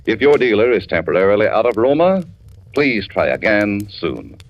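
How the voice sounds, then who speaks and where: A man reading a radio commercial in a smooth, persuasive, enthusiastic 1940s announcer style. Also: on the low side, very animated, moderate pace. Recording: dull old radio recording.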